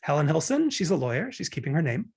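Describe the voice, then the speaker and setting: Man playing cynical young guy, gravelly and husky, swooping intonation, glib, teasing, opinionated, romantic comedy table read. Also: fairly high pitch, very animated, quick pace, darkish tone, heavily acted. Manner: glib, opinionated, rambling justifications.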